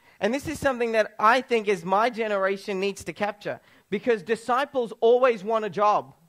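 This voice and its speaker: Against a quiet background, a man talks at a fairly quick pace and a high pitch, with ordinary pitch variation. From Australia. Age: 30s. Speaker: traveling preacher. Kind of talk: sermon. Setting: church. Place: church.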